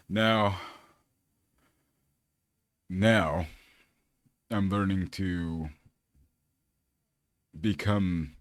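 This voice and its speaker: Laid-back male fitness vlogger from California, low voice, dry close recording, rambles casually. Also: no echo. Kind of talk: casual chat to camera.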